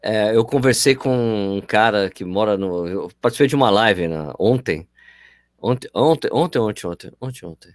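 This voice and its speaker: A man's voice: on the low side, expressive, normal speed, no room sound, studio quality. A man from Northeast Brazil hosting a casual interview, joking and informal. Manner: jokey, informal, says "cara" often. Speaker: host.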